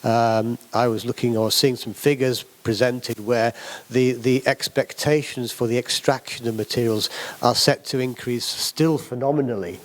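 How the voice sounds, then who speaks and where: A middle-aged man with a British accent speaks at a public talk. He hesitates often, with many "uh"s and repeated words as he finds his way. His voice sits at an ordinary middle pitch. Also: fairly even intonation, normal speed. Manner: hesitant, many fillers and restarts. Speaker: academic speaker on wood construction.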